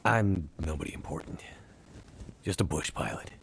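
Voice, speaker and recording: Game lead: guarded bush pilot, very low and gravelly, terse, understated. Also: male voice, animated, moderate pace, a little hiss or hum. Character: weary, guarded bush pilot Mackenzie, middle-aged man. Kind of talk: video game voice acting.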